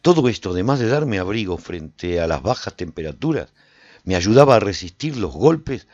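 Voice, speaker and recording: A man playing a reflective survivor, narrating a post-apocalyptic radio serial in the first person in a measured, dramatic way. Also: lowish voice, big pitch swings, a little mellow, no echo, dull audio. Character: reflective male survivor recounting life in a post-apocalyptic walled city.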